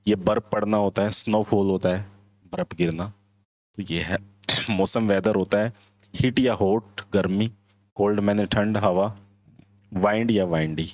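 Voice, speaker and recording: A man's voice: lowish voice, a little mellow. A man teaching English vocabulary in Hindi, explaining word by word and mixing in simple English phrases with an Indian accent. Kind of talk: classroom vocabulary lesson.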